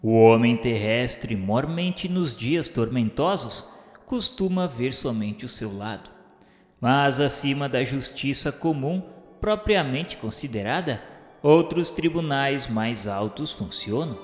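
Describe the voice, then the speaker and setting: A man's voice: mid-range voice, lively intonation, slow. A man narrating a radio drama in the first person, formal and reverent in tone, also speaking his own lines to a mentor. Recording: roomy, reverberant hall sound with music.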